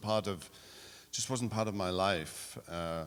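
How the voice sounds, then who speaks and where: A man with a Welsh accent speaks at a fairly low pitch with fairly even intonation, music playing in the background. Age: 60s. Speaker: pastor and theology professor. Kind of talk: personal testimony.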